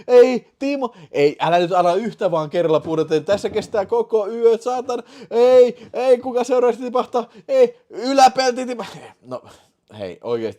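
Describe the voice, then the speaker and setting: A man hosting a livestream, constantly swearing and shouting excitedly, his voice giving out. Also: very high-pitched. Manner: tired, winding down. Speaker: livestream host. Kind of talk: livestream chat.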